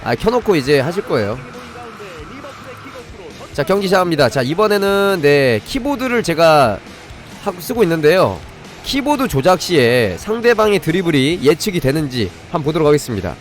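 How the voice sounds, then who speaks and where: Male game streamer, fairly high voice with lively swings, live commentary and viewer chat, music underneath. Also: moderate pace. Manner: demonstrates step by step while breaking off to address viewers. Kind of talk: live gaming commentary and review, chatting with viewers.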